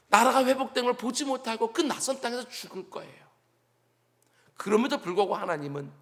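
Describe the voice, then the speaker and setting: A man's voice: high-pitched, vocal fry, a bit bright. A male pastor giving an early-morning sermon, earnest and preaching with rhetorical questions to the congregation. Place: church sanctuary.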